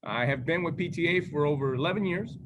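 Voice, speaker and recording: A man's voice: fairly high pitch, quick pace, a bit bright, slight background noise, poor audio. A man from Arizona giving an upbeat campaign speech for a board seat, joking lightly and restarting phrases. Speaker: board candidate.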